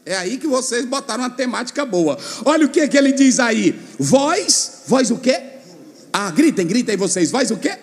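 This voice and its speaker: A male preacher delivers a fiery sermon, his very high voice leaping up and down as he shouts and chants. He calls on the congregation to shout back. Long reverb from a big hall trails every phrase. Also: very animated, moderate pace. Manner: shouting, sing-song preaching with call and response. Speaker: pastor. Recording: long echo of a large hall.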